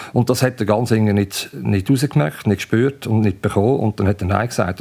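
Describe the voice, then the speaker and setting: With ordinary pitch variation, a plain, everyday voice talks. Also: man. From Aargau, Switzerland. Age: 50s. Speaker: village mayor. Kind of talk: interview.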